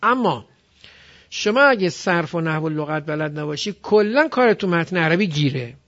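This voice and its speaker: A man's voice: on the high side, animated, fairly bright tone, lo-fi sound. A man teaching a class, explaining grammar and drilling examples aloud. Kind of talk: classroom lecture.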